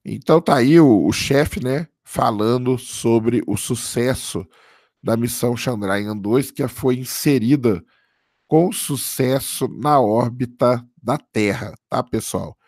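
A man, hoarse from a cold, casually commenting on a live stream and answering viewer chat, often checking in with "tá?". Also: mid-range voice, slow, darkish tone, dry recording, clean studio sound. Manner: casual, keeps adding "tá?" for confirmation. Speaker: livestream host.

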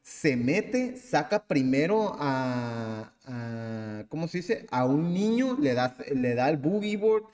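A man in his thirties with a Mexican accent, hosting a podcast and telling a personal story in a lively, casual way. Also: medium pitch, slow pace, few pauses, in a large hall. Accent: Mexican Spanish. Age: 30s. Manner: animated, acts out the people in his story. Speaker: podcast host.

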